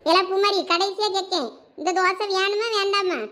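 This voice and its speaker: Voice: extremely high pitch, fairly even intonation, moderate pace, sharp tone. A voice actor playing a scolding mother in a cartoon, with a Thoothukudi Tamil accent. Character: scolding mother who favors her son. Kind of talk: cartoon voice acting.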